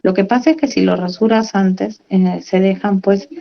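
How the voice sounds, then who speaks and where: A woman's voice: mid-range voice, moderate pace, creaky, muffled recording, a little hiss or hum. A woman giving a medical lecture, reading from slides and then explaining in her own words with fillers and tag questions.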